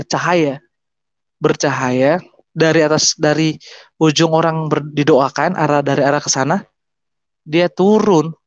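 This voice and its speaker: A man with a fairly high voice recounts his conversion as testimony, animated and vivid, acting out the voices in his story. The sound is dry and slightly muffled. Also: no echo. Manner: animated, acts out voices and gestures while telling his story.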